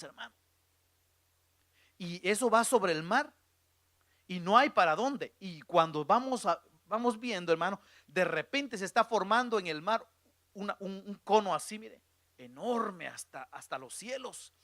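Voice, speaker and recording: A middle-aged male preacher, his voice high-pitched and bright. He tells the story dramatically, dropping to a hush and swelling again, and the recording is dry and close. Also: dry recording. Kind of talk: sermon.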